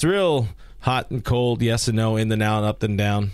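A man speaks at a moderate pace over background music. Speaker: podcast host. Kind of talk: casual chat. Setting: studio. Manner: loud.

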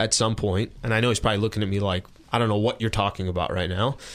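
In a very clean recording with a silent background, a man of medium pitch speaks with a Southern California accent. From US West Coast (El Cajon, San Diego). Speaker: sports radio host. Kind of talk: casual interview.

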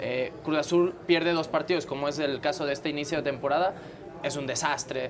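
There is noticeable background noise behind this man. He speaks at a moderate pace with a fairly high pitch. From Catalonia, Spain. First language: Catalan (speaking Spanish). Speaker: ex-footballer and football commentator. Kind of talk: casual chat.

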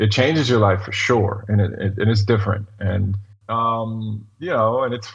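A man's ordinary speaking voice, medium in pitch, with an American accent. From Long Island, New York. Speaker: father and podcast guest. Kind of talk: casual interview chat.

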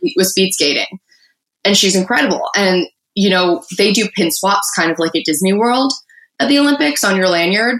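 An unremarkable speaking voice from a woman, medium in pitch, with lively intonation, a moderate pace and very even loudness. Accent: American. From US Northeast, Philadelphia area. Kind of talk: interview.

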